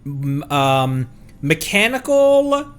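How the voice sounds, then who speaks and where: Animated male streamer, slow and halting. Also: on the high side. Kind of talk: casual livestream commentary on a game.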